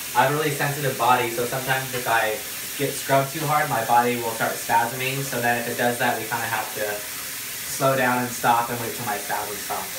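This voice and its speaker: A man's fairly quick, monotone, flat delivery with hardly any pauses, over noticeable background noise. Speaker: vlogger showing daily routine. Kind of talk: casual vlog explanation. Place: bathroom. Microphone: phone near.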